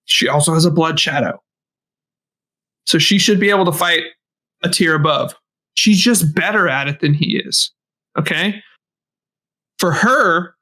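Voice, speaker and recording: Give me an enthusiastic male podcast co-host with a high, bright voice. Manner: enthusiastic, rants in bursts with swearing. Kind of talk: casual podcast chat.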